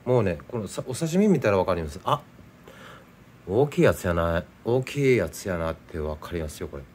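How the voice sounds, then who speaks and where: A middle-aged man with a Nagasaki accent talks in an easygoing, chatty way over food and drink at home. His voice sits fairly low, and a faint hum of room sound stays behind it. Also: big pitch swings, normal speed, darkish tone. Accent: Nagasaki dialect. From Nagasaki, Japan. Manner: easygoing, chatty, explains local words. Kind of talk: casual chat while eating and drinking.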